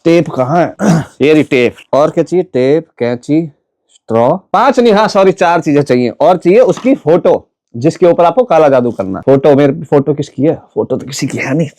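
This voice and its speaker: A man's voice: on the high side, animated, moderate pace, mellow, no room sound. Chatty Haryanvi man joking around. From Haryana, India. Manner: chatty and joking, laughs between lines. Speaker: vlogger. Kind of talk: casual storytelling vlog.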